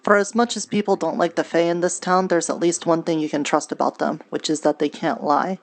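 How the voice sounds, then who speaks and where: A woman with a notably low voice talks in character during improvised roleplay. She is earnest and diplomatic, setting out her thoughts in a measured way. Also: fairly even intonation. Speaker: roleplay streamer playing a character.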